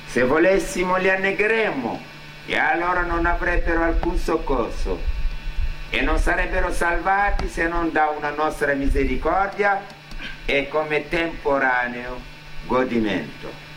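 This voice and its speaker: Male stage reciter, sharp forceful voice, declamatory, echoey, faint hum. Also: a little high, lively intonation, measured pace. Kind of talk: theatrical declaimed recitation of scripture-like text.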